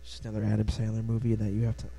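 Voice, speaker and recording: Young man, Midwestern accent, beginner podcaster, rambling, dark timbre, mains hum behind. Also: lowish voice, completely flat delivery, very fast, vocal fry. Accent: Midwestern American. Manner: rambling, self-deprecating, restarts. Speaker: podcast host. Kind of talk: casual solo podcast chat. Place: home room. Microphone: close desk mic.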